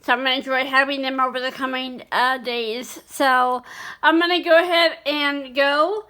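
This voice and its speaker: Bright high-voiced woman vlogging casually. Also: steady tone, takes it slowly. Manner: rambling, many fillers and restarts. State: hiccuping. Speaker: cooking channel host. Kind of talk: casual vlog chat.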